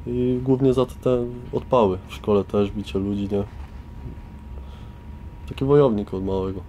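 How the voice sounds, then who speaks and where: A young man from Warsaw, still in his teens, speaks in a fairly low voice. He talks casually about himself, with slight noise behind him. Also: mellow. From Warsaw, Poland. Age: teenager. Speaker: resident of youth correctional centre. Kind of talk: casual personal account.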